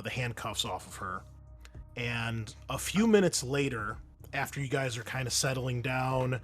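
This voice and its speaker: A man's voice: medium pitch, fairly bright tone. A man acting as game master of a tabletop roleplaying game, addressing his players in turn with casual narration. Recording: music behind the voice. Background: music.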